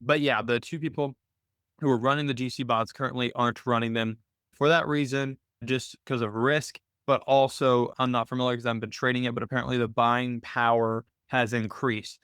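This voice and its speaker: A man with a clean, smooth voice at a middle pitch hosts an informal question-and-answer session. He talks in a conversational, explanatory way, working through his thoughts out loud. The sound is dry, with very little room in it. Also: fairly even intonation, brisk, dry recording. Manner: conversational, explanatory, thinking aloud. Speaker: host of a trading Q&A call. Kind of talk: casual explanatory screen-share Q&A.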